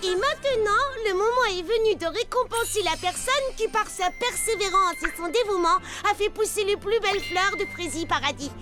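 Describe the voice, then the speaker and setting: Really high sweet cartoon lady, encouraging, storybook style, music under it. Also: normal speed, few pauses. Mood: ceremonious. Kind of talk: French cartoon dubbing. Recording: music behind the voice.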